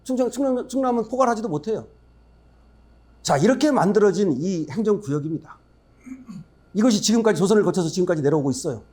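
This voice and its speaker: A man delivers a political speech at a forum in a high voice that leaps up and down with feeling. He talks bluntly, tosses in scornful asides, and keeps throwing rhetorical questions at the listeners. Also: lively intonation, quick pace, pauses often, mellow. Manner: emphatic, rhetorical questions to the audience. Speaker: forum speaker.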